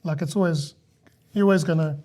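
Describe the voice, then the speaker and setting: High-voiced man hosting a podcast. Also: brisk, mellow. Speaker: podcast host. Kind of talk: casual interview chat.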